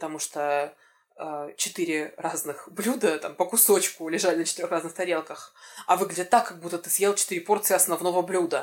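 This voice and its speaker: Her pitch fairly low, a woman talks at a fairly quick pace with ordinary pitch variation. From southern Russia. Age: 20s. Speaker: body-positivity blogger. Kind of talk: personal storytelling interview. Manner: hesitant, with filler sounds.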